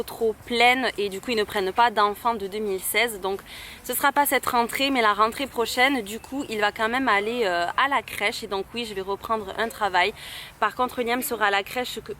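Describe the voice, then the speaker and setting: Young woman from Toulouse, high-pitched. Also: brisk, pushed and bright, a little hiss or hum. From Toulouse, France. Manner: hesitant, many fillers. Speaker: YouTuber. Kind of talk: casual Q&A vlog. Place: outdoors.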